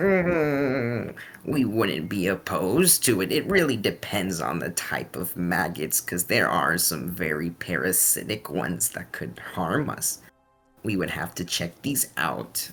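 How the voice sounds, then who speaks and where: A man puts on a character voice that is raspy and very deep, low in pitch, delivered at a fairly slow pace. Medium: actual play. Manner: formal, measured.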